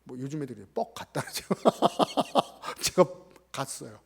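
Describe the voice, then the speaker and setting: A man's voice: medium pitch, slow, gravelly, slightly rough. A man, a pastor, preaching a Sunday sermon full of personal stories, acting out the people he quotes. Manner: animated, acts out quoted family members in voices.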